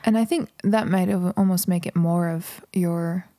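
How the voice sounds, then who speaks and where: A woman's voice: lowish voice, steady tone, normal speed, mellow, no echo. A woman hosting a casual interview, upbeat and affirming, asking questions with lots of encouraging murmurs. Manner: enthusiastic, affirming, frequent "mm". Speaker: podcast host.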